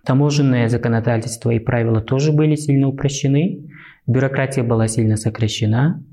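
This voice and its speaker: A man from Uzbekistan with a Central Asian Russian accent, explaining things conversationally as an interview guest in a halting, thoughtful way. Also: mid-range voice, steady tone, warm tone.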